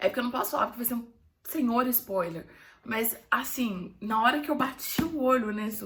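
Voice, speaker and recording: Over noticeable background noise, a woman speaks in an animated tone with a fairly high pitch and ordinary pitch variation. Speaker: book vlogger. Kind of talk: casual book review vlog. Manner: fast.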